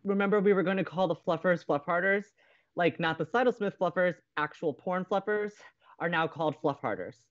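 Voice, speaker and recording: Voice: medium pitch, brisk, highs cut off, close to an everyday voice. An actor playing a dismayed, fretful young college radio co-host in an audio romantic comedy, with exasperated delivery. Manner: melodramatic, exasperated.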